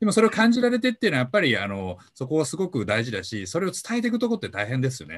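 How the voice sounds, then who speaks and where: Against a quiet background, a man with vocal fry talks at a very fast pace in a fairly high pitch with very wide pitch swings. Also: hardly any pauses. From moved around Japan, born in Osaka. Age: 40s. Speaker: panel moderator, tourism company executive; panel moderator. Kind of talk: online panel discussion. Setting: online event, screen sharing. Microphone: video call.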